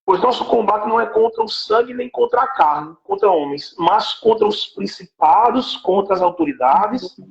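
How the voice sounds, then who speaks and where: A man in his forties delivers a patient teaching talk in a high voice. He keeps checking that his listener follows. The recording is a roomy, echoing live stream with a dull, lo-fi sound. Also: animated, moderate pace, vocal fry. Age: 40s. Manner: explanatory, keeps checking with "right?". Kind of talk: teaching talk on spiritual warfare.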